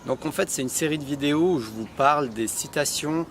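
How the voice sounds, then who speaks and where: A man giving an improvised, relaxed talk to camera, with frequent hesitations. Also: on the high side, brisk, a little hiss or hum. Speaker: personal development vlogger.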